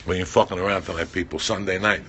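An older man in his sixties, hosting a casual livestream in a small backstage room, talking loud and profane into a phone held at arm's length. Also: low-pitched, fairly even intonation, fast talker, a little hiss or hum. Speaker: comedian and podcast host.

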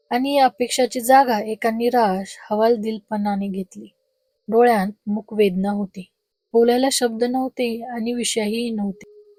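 A woman's voice: a little high, dark tone, no echo. Woman reading a horror story aloud.

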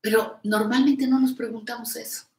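An older woman hosting a live show on creative aging reads viewers' comments aloud and answers them warmly and encouragingly, calling them "reina." Her voice sits on the high side, with fairly even intonation and normal speed, in an echoey room.

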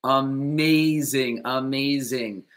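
A man's voice: mid-range voice, fairly even intonation, very slow, a bit bright. A man in his thirties hosting a live stream over a video call, gushing with praise and relaying viewer questions. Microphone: video call webcam.

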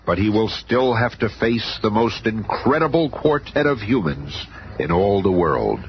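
Bombastic low-voiced superhero radio narrator. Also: male voice, very animated, measured pace. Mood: grandly dramatic. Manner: grandiose, emphatic. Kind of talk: dramatic scripted radio narration. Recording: noisy, muffled old radio recording.

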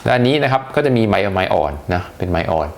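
Male tech reviewer, low gravelly voice, chatty unboxing, faint hiss behind. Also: animated, rapid-fire. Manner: chatty, hesitant, lots of polite particles.

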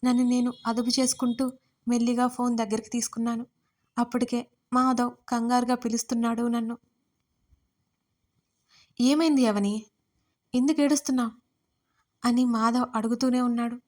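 A woman's voice: fairly high pitch, completely flat delivery, brisk, a little mellow. A woman narrating a first-person audio love story, emotional and tearful in her telling. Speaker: writer and narrator.

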